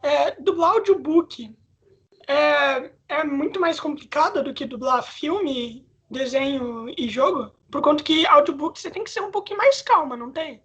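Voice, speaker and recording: A woman's voice: high-pitched, normal speed, a bit bright, dull audio. A woman hosting a podcast, asking casual, slangy questions over a call. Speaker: podcast host.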